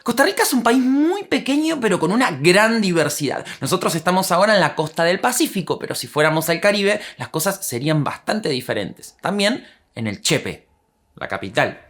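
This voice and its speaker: Brief: Argentine woman host, low voice, animated scripted narration. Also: normal speed. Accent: Rioplatense Argentine. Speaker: language teacher and channel host.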